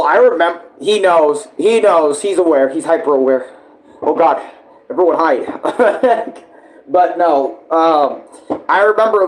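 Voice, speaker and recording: Male reaction host, slightly higher pitch, rambling, slangy, profane, casual commentary. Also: darkish tone, poor audio.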